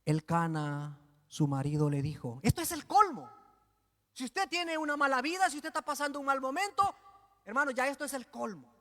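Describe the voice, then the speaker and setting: A man preaching a sermon in church, animated and joking with the congregation. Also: very high voice, brisk, in a large hall.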